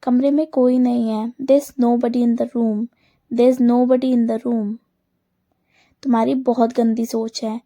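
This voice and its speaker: A woman teaching English phrases, saying each one quickly and then slowly repeating it twice. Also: on the high side, flat delivery, warm tone, dull audio. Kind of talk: slow phrase drill lesson.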